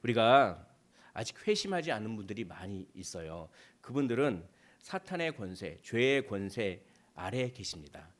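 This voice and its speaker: A man's voice: on the low side, big pitch swings, moderate pace. A male pastor preaching a sermon in a conversational way, asking rhetorical questions and acting out short dialogues.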